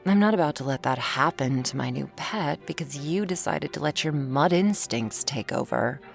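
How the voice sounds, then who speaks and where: A woman's voice: sits low, expressive, moderate pace, creaky. A woman performing an ASMR roleplay as a commanding, teasing werewolf hunter who instructs the listener. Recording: faint string music behind.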